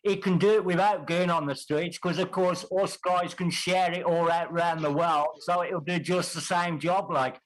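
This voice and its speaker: Man, Black Country accent, fifties, slightly high voice, earnest, hesitant. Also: steady tone, moderate pace, few pauses, poor audio. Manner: earnest, hesitant, restarts often. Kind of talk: casual chat on a group video call.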